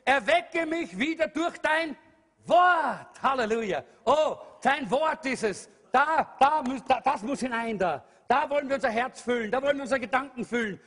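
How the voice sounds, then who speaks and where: A man preaching a sermon to a congregation, emphatic, rising to shouts and dropping low, addressing the listeners directly. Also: a little fast, hardly any pauses. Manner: emphatic preaching, calls out to the congregation, swings loud and soft. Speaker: pastor. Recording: long hall reverb.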